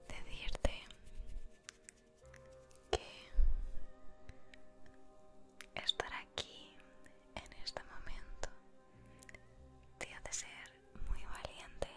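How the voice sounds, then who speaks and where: Over background music, an ASMR creator with an accent from Spain leads a guided meditation in a whisper. Her delivery is calm, soft and never rushed.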